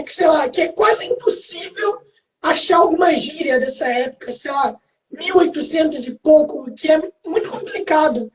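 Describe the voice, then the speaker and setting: A chatty Brazilian woman hosting a podcast, her voice very high. She sits back from the mic in a roomy space, tossing out slangy, rambling questions. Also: distant mic. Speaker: podcast host. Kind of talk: casual podcast interview.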